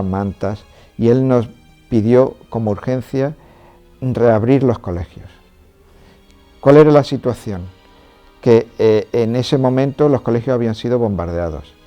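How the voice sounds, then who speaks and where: A man with a low, dark and mellow voice, speaking as a priest. He explains things in a measured, steady way during an interview testimony. Soft music plays faintly behind him. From Córdoba, Spain. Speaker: Trinitarian priest and charity president.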